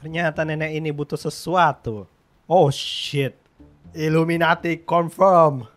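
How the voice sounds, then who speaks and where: Young Indonesian man, fairly high voice, casual game commentary, swears a lot. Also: a little slow, a little hiss or hum. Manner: excitable, slangy, swears in English often. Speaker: gaming YouTuber.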